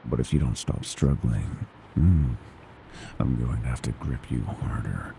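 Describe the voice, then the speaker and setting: A man's voice: a little slow, warm tone, a little hiss or hum, full character voice. A man voicing a gleeful, predatory monster from under the bed in a horror ASMR roleplay, menacing and mockingly tender, savoring his words and slipping into whispers. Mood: threatening. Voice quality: very deep, gravelly creaking growl.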